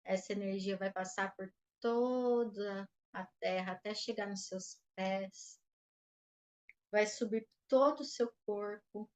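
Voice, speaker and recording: A woman with a Brazilian accent leading a guided meditation as an instructor, giving gentle step-by-step instructions with long pauses. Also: medium pitch. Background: music.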